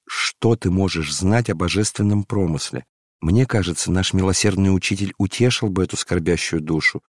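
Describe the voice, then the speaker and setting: Man playing a compassionate disciple, mild reproving tone, low voice. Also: normal speed, no room sound, studio quality. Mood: gentle.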